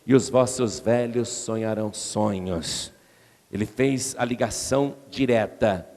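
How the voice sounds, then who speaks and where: A man's voice: measured pace, darkish tone. A man with a Brazilian Portuguese accent preaching an expository sermon, retelling scripture dramatically in a church hall. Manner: dramatic storytelling, acting out crowd voices with rising pitch. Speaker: pastor. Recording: long reverb of a large hall.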